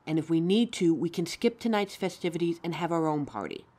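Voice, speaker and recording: Performer voicing a caring, lively-pitched young werewolf. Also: brisk, natural voice. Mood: worried, insistent. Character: caring, anxious young werewolf partner devoted to a vampire lover. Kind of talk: scripted roleplay audio drama.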